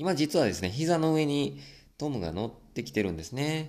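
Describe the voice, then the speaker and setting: A man speaks at medium pitch and a moderate pace, his tone relaxed. His voice makes very wide pitch swings, broken by long, frequent pauses. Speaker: podcast host. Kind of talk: casual monologue. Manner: halting, many fillers; relaxed, rambling.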